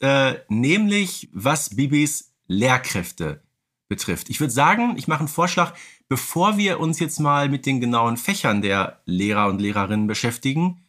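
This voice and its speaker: Male podcast co-host, medium pitch, casual and wryly humorous. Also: very animated, a little slow, fairly bright tone. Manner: humorous, tongue-in-cheek.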